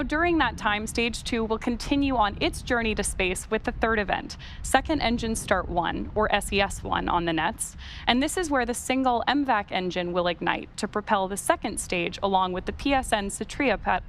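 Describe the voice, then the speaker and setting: A woman's voice: medium pitch, fairly bright tone, slight background noise. A woman hosting a live launch webcast, explaining things step by step as commentary.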